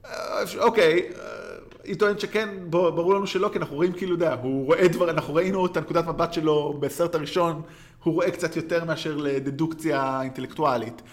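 A man's voice: on the high side, steady tone. Rambling man chatting about a film. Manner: rambling, many fillers and restarts, laughs often. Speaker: podcast co-host. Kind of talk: casual film discussion.

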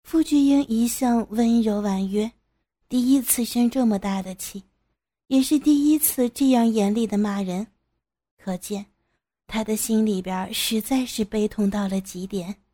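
Mellow-voiced woman narrating a story. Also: on the high side, unhurried. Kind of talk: scripted audio story narration.

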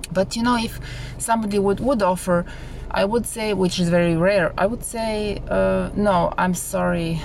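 A woman's voice: fairly low pitch, gravelly, a little hiss or hum. A woman from Serbia with a Serbian accent, earnestly sharing her testimony in simple English with small slips. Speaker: program member sharing testimony. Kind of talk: casual home video testimony.

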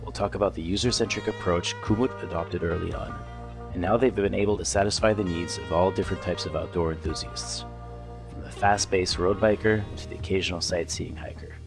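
A man's voice: low voice, fairly even intonation, brisk, music in the background. A man hosting a podcast, reading a scripted introduction and then asking friendly questions with frequent restarts. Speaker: podcast host.

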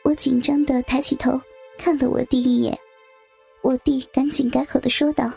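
A woman narrating a first-person story softly, with music behind. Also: sits high, little pitch movement, normal speed, gravelly, husky.

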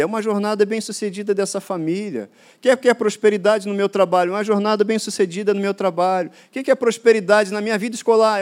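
A man from Rio de Janeiro, preaching a sermon to his congregation in a rhythmic, repetitive way that swings from quiet to loud declarations. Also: high voice. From Rio de Janeiro, Brazil. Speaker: pastor. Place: church before a congregation.

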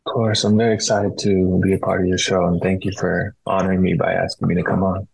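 A man giving explanatory answers as a podcast guest, in a measured, reflective way with pauses. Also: deep voice, little pitch movement, gravelly, slightly rough, rough recording. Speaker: podcast guest, retreat practitioner. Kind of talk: explanatory interview talk.

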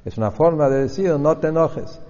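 A man's voice: on the high side, fairly quick, dark tone. Man teaching Torah in a reverberant hall. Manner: explanatory, asks and answers his own questions. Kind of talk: Torah lesson. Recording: dull lo-fi recording in a reverberant hall.

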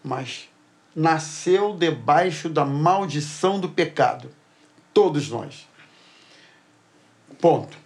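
A middle-aged man hosts a church talk program. His voice sits fairly high for a man, and he tells stories with lively energy, acting out each person's lines. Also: takes it slowly, long pauses. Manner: lively storyteller who acts out dialogue. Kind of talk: animated storytelling and Bible talk.

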